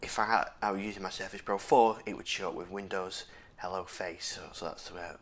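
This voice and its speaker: A tech video host with a hoarse, sore throat gives a casual screen-recorded walkthrough, his scratchy voice full of fillers and restarts. He speaks low, a little fast, with fairly even intonation.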